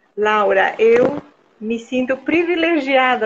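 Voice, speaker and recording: Speaking at a very slow pace in an Argentine accent, a woman uses a high pitch and lively intonation. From Argentina, Buenos Aires. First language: Spanish (speaking Portuguese). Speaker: architect and interior designer. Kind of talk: interview.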